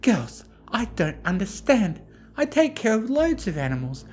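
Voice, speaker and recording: A gentle young female cartoon pony, acted by a narrator, pitched high and very lively. She is earnest and protective, told in an audio story over music. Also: unhurried. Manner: soft-hearted, earnest, chiding.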